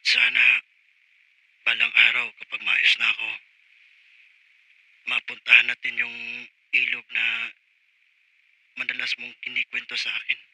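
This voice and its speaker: A man's voice: medium pitch, monotone, measured pace, pauses often, bright, forceful tone, dry recording, low-quality recording. A man acting a troubled, earnest young man with lost memories in an audio drama. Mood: tender, wistful.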